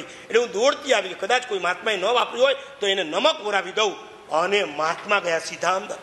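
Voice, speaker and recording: Male preacher, high bright voice, lively storytelling sermon, echoey hall with faint room noise. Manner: animated, swings pitch and loudness while acting out quotes.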